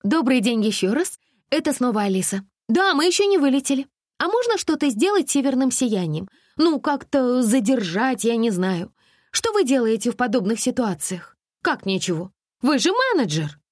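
A woman voicing a flighty, demanding woman of thirty, Alice, with a shrill, petulant manner. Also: big pitch swings, moderate pace, dry recording, studio quality. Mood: insistent.

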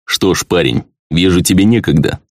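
A man voicing a stern old gnome army colonel who talks in a gruff, matter-of-fact way. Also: low-pitched, moderate pace, no echo, clean studio sound.

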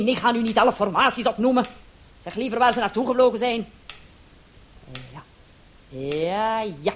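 An actress playing a brisk but indulgent female police commissioner in a Dutch radio play. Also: mid-range voice, natural voice. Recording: hissy old radio play recording with clicks.

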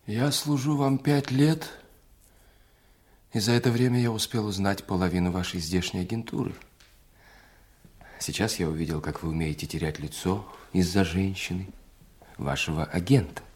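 An actor in an audio play voicing a cunning, embittered spy with a deliberate, theatrical delivery that moves between hushed and emphatic. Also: male voice, low-pitched, close to an everyday voice. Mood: cold reproach. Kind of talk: dramatic audio play acting. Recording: music under the voice. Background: music.

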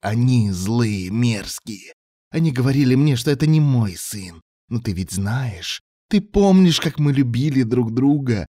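A man's voice: mid-range voice, animated, a little slow, dark tone, dry recording, studio quality, pitched above the performer's own voice. A man voicing a hysterical, unhinged young woman who pleads frantically, in an audiobook. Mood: frantic pleading. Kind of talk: audiobook character voice.

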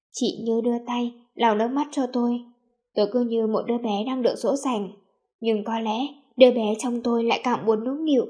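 A woman narrating a first-person story in a soft, reflective way. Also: a little high.

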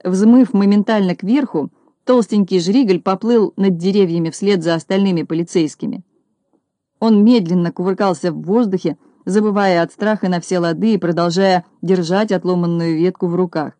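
A woman narrating a children's storybook, steady and expressive. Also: fairly low pitch, moderate pace, no echo. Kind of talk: storybook reading.

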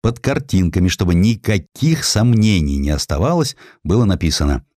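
A man reading a scripted historical narrative in an expressive, emphatic storytelling manner. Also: low voice, normal speed, no room sound, clean studio sound. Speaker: audiobook narrator.

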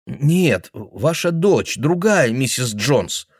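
A man's voice: mid-range voice, very animated, takes it slowly, slightly rough, no room sound, clean studio sound, voice pushed up, exaggerated voice. A man doing a frightened pleading young woman. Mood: nervous.

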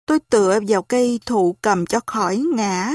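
A woman reading a novel aloud as first-person narration in slow, deliberate storytelling. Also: mid-range voice, a little mellow, no echo, clean studio sound. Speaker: audiobook narrator.

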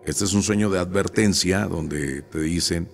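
Deep-voiced man telling stories. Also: a little slow. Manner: conversational, recounting dialogues with frequent fillers. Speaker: storyteller. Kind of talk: casual storytelling to an audience.

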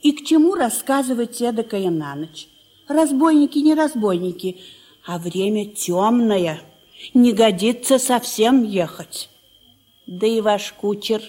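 An actress playing a kindly, pious old country housewife in a radio play, fretful and fussing. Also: female voice, fairly high pitch. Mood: anxious, hospitable. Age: older. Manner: fussing, gently scolding.

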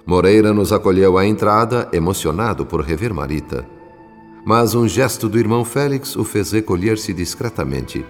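Radio drama narrator: very low voice, solemn and benevolent, long reverb. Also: male voice, animated, moderate pace. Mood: solemn, serene. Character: solemn, benevolent male spirit narrator telling the story. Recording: long reverb, music behind.

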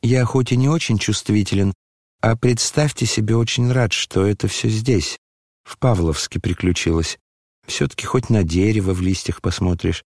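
A man plays a dying young man speaking low, hushed and hoarse, with a tired, ironic calm. The voice sits lower and softer than the reader's own, captured dry and close. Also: normal speed, dry recording. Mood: weary ironic. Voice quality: hoarse, near whisper. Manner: quiet, weary, ironic. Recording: dry close studio sound.

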